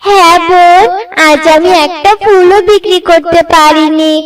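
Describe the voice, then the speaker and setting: Poor, anxious songbird girl for kids' cartoon, woman performer: high, tender, plaintive, crowd noise behind. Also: steady tone, a little slow, far from the mic. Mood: sad, reassuring. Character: young elder-sister songbird, poor flower seller, caring and anxious. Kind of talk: children's cartoon voice acting.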